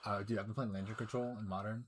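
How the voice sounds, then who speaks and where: A man's voice: fairly low pitch, steady tone, slight background noise. A man commentating a card game in casual chat, joking with his co-host. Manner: chatty, joking, quick back-and-forth.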